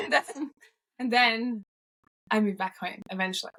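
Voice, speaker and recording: A woman's voice: fairly high pitch, a little slow, sharp tone, rough recording. A young woman from Norway, cheerful and upbeat, chatting casually as an interview guest, with frequent yeahs and ums.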